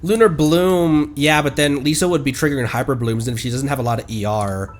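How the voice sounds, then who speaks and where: A man's voice: medium pitch, steady tone, brisk. Casual man rambling through a game stream. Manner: rambling, thinking aloud. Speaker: livestreamer. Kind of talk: casual gameplay stream commentary.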